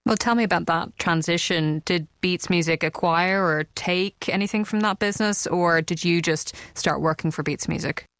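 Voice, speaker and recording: Low-voiced woman radio presenter, dry sound. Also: normal speed, hardly any pauses, a bit bright, dry recording. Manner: attentive, probing questions. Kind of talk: radio interview.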